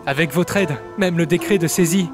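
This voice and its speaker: A man's voice: a little high, moderate pace, music in the background, lightly acted. A man playing an affable young servant of a noble clan in a game dub, speaking politely and formally. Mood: courteous, friendly. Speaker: amateur voice actor dubbing a game character. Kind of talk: scripted game dialogue dub.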